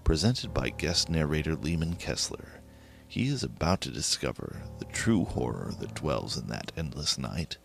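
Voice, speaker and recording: A man hosting a horror anthology, reading scripted narration in a slow, hushed, ominous way. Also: extremely low pitch, sing-song, creaky, faint music behind.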